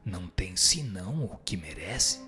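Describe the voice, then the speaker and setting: A man's voice: low voice, very animated, a little slow, loud music behind the voice. A man with a Brazilian accent voicing a solemn spirit who gives stern moral teaching in a scripted radio drama. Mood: solemn, admonishing. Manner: solemn, didactic.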